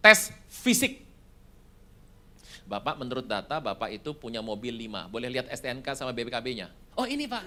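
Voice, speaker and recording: Animated, joking male preacher. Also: medium pitch, fairly quick, slight background noise. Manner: animated, joking, acts out scenes. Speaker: pastor. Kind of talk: lively sermon with comic role-play.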